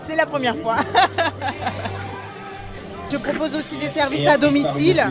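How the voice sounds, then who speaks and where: A woman with a high voice introduces herself in a friendly, slightly shy way. Loud music and a thick crowd fill the background at the market. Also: fairly even intonation, normal speed. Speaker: cook. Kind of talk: street interview. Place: outdoor street market.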